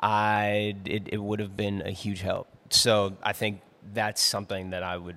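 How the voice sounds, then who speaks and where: With a New York accent, a man talks at a fairly slow pace in a fairly low pitch, his bright, sharp tone held to a monotone, flat intonation. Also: very clean recording, silent background. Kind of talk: casual chat. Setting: studio.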